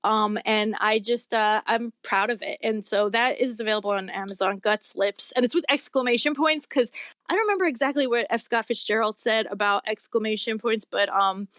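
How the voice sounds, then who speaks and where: A woman in her forties chatting casually as an interview guest, effusive and excitable, often exclaiming. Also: on the high side, fairly quick, dry recording, clean studio sound. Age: 40s. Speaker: guest horror author.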